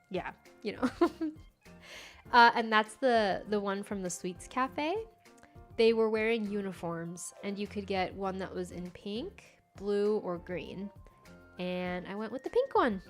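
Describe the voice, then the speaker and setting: A young woman whose first language is Farsi, hosting a live stream in a relaxed, chatty way. She giggles a lot and fills her talk with small fillers. Her voice sits at an ordinary middle pitch, with soft music playing faintly behind her. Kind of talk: casual live-stream chat.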